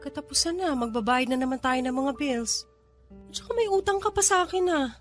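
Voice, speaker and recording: A woman's voice: high voice, animated, a little fast. A woman playing a gambler's fed-up, anguished girlfriend in an emotional radio drama, exasperated and pleading. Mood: wary, annoyed. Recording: dramatic music bed behind the voice.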